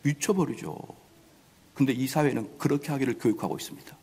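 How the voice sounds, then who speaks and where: A man preaching a sermon as pastor, animated, acting out family quarrels. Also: mid-range voice, a little fast, slightly rough. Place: church sanctuary. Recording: long church hall reverb.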